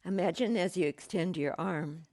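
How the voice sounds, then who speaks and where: A woman teaching a yoga class, giving gentle, unhurried cues with pauses and fillers, her voice slightly croaky. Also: fairly low pitch, no echo, studio quality. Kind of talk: guided yoga class instruction.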